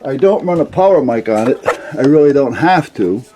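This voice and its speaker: A man's voice: mid-range voice, lively intonation, moderate pace, background noise. An older man talking casually and off the cuff about his hobby, explaining things in a plain-spoken, rambling, folksy way. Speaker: CB radio hobbyist explaining gear.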